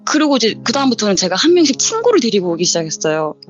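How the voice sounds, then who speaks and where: A woman's voice: medium pitch, very fast. Woman telling a true scary story. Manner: lively, acts out the quoted dialogue. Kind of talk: casual storytelling interview. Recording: dull lo-fi audio with faint music bed.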